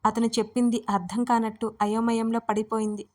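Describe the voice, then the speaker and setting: A woman's voice: on the high side, level tone, a little fast, darkish tone. Woman reading a story evenly. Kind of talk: scripted story narration.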